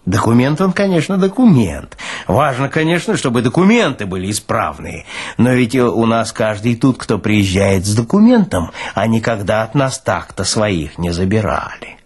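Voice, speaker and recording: Man voicing a burly, needling morgue orderly, animated. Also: lowish voice, normal speed, breathy edge, heavily acted. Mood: needling, indignant. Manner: colloquial, mocking, folksy philosophizing. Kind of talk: dramatized audiobook character reading.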